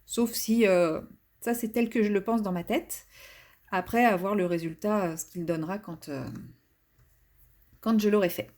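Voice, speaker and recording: Pausing often as she colors, a woman on her coloring channel talks in a chatty, meandering way, teasing herself and restarting phrases with many fillers. Her voice is medium in pitch and darkish, with fairly even intonation at a normal pace.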